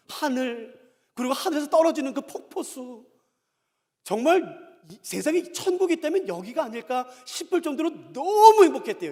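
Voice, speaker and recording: High, lively man preaching in a reverberant hall. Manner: storytelling, acts out quoted voices, rising to forceful exhortation. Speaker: pastor. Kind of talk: sermon.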